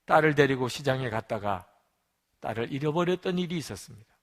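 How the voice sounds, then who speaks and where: Male pastor, sermon, lively rising and falling pitch, long church reverb. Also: brisk. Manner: storytelling with acted quotes, swings between loud and hushed. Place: church sanctuary.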